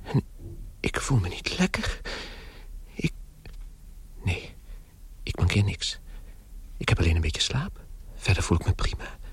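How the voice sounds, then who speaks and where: A man playing a weary travelling salesman turned insect in a radio play, muttering his fretful, self-pitying inner thoughts in a breathy half-whisper. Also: low voice, very animated, measured pace, long pauses, exaggerated voice. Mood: anxious fretting. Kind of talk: radio play interior monologue.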